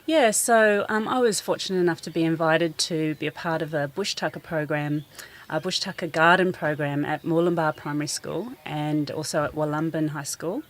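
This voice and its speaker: Low-voiced New woman, earnest. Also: moderate pace. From New Zealand. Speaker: school garden teacher. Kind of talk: radio interview, outdoor. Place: school garden outdoors.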